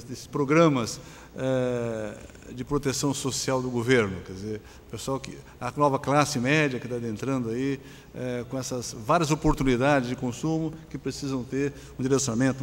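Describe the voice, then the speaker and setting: A man's voice: medium pitch, a little hiss or hum. Formal Brazilian moderator man, echoey hall. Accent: Brazilian Portuguese. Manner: formal, with frequent tag questions. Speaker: panel moderator. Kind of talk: moderating a conference panel. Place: large conference hall. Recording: long hall reverb.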